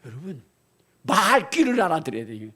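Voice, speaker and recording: Older male pastor, high and husky, lively sermon with sudden shouts. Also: moderate pace. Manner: animated, swings from quiet storytelling to shouting.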